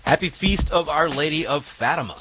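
A man's voice: fairly high pitch, expressive, a little fast. Guy hosting morning radio, voice bounces around a lot, music under him. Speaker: radio show host.

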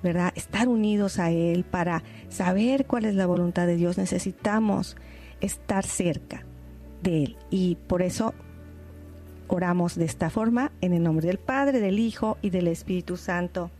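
A woman hosts a Catholic radio program, her voice mellow and relaxed. She reads prayers and scripture in a measured, prayerful way, with soft music faintly underneath. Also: fairly low pitch. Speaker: radio host.

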